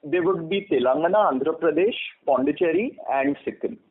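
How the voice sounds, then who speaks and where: A man's voice: a little high, lively intonation, a little fast. A man with an Indian accent answering questions as an executive on an earnings call, explaining things and often tagging phrases with "right?". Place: conference call. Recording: narrow-band phone conference line.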